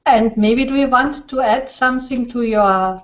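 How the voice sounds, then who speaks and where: A woman hosting an interview in an online hangout, speaking haltingly over a muffled web call. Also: fairly high pitch. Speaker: host, interviewer. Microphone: online video call.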